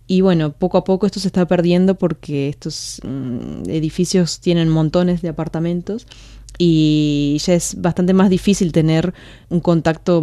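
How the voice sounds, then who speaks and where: Low, mellow woman co-hosting a lesson. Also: no room sound, clean studio sound. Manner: repeats words back, then presents a segment. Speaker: co-host. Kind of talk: scripted language lesson.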